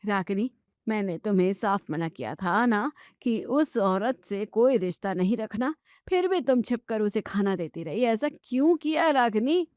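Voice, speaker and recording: A woman voicing a sharp-tongued, suspicious middle-aged mother-in-law who scolds and demands. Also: mid-range voice, expressive, unhurried, no room sound, clean studio sound, lightly acted. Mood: scolding.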